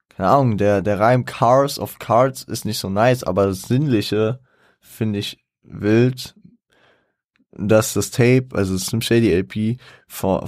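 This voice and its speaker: Rambling and self-correcting, a young podcaster laughs often as he chats in German about a rap album. He speaks in a slightly mellow, lowish voice. The recording is studio quality with no echo.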